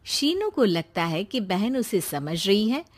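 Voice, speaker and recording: A woman narrating a cartoon story in a plain, steady storytelling voice. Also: medium pitch, unhurried.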